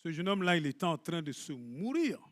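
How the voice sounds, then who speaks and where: Preaching with energy, this middle-aged pastor alternates booming moments with quiet asides and trades jokes with the listeners. His pitch is fairly high and his pace brisk. The sound is clean studio audio with no echo.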